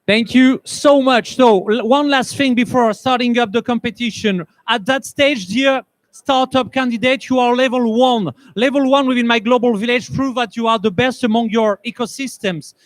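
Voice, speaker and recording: A man hosting a live event on stage as an energetic emcee who hurries people along. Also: very high-pitched, moderate pace, dry recording. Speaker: event host.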